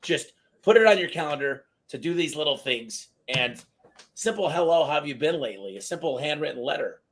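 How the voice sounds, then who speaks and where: Rambling energetic man hosting a podcast. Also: a little high, fairly quick. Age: 30s. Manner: energetic, rambling, self-deprecating, casual slang. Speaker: podcast host. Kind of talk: casual podcast interview.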